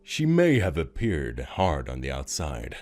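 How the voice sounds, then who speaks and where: A man's voice: extremely low pitch, huge pitch swings, unhurried, a little mellow, soft background music. A man reading scripted story narration as the narrator of an audio drama.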